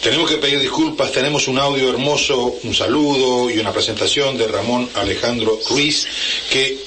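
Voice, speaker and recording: Bright-voiced male community radio host. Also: mid-range voice, steady tone, moderate pace, a little hiss or hum, low-quality recording. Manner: friendly, laughs easily.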